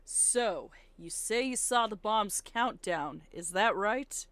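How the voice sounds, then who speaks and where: A woman's voice: mid-range voice, expressive, takes it slowly, a bit bright, no room sound. A woman hosting a let's play, reading video game dialogue aloud and chatting casually. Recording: game music behind. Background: video game music.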